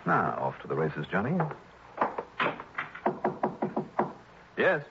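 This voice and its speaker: A cool-headed investigator tosses off dry wisecracks and narrates his own scrapes in a lowish voice. The sound is a lo-fi 1960s radio broadcast with music under it. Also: wildly swooping pitch, brisk, gravelly, exaggerated voice. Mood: wry. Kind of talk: 1960s radio detective drama. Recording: dull lo-fi old radio broadcast.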